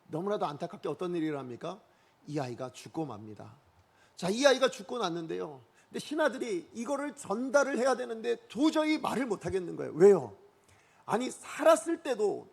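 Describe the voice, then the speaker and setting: A man's voice: sits high, creaky, breathy edge. A male pastor preaching a Sunday sermon, often putting rhetorical questions to the congregation. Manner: leads the congregation in unison scripture reading.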